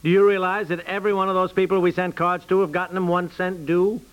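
Actor as flustered, high-voiced 1950s radio husband. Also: male voice, little pitch movement, quick pace, clean tone, highs cut off, close to an everyday voice. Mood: exasperated. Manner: sputtering, repeats himself emphatically. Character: flustered, exasperated suburban husband and father. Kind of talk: 1950s radio comedy acting. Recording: vintage 1950s radio recording.

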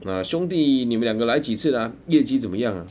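A man's voice: mid-range voice, lively intonation, quick pace, darkish tone, slight background noise, natural voice. A man with a Taiwanese accent voicing a chatty, offhand male taxi driver. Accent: Taiwanese Mandarin.

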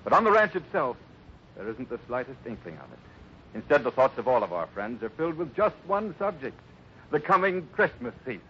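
A male announcer with a mid-pitched voice, narrating in dramatic, suspenseful 1950s radio fashion. The old recording is muffled and clearly noisy. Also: big pitch swings, a little fast. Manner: theatrical, suspenseful.

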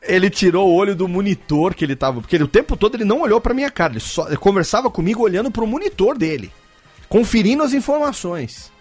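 Animated high-voiced man telling a story. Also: fast, soft background music. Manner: animated, acts out both sides of a dialogue. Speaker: podcast host. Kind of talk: casual storytelling among friends.

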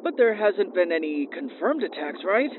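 A steady, alert deep-sea diver, as a man plays him, sends clipped field reports over his helmet radio intercom. His voice sits high and bright in a squeezed, phone-thin band, with steady static hissing underneath it. The tone stays professional and to the point the whole way through. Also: normal speed. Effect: helmet radio intercom, diving suit comms. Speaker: diver on an exploration team. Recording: tinny radio comms with static.

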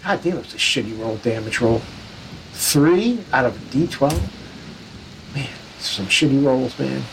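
A man's voice: medium pitch, unhurried, gravelly, noisy background. A man playing a tabletop game, swearing casually and checking the rules aloud. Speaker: player.

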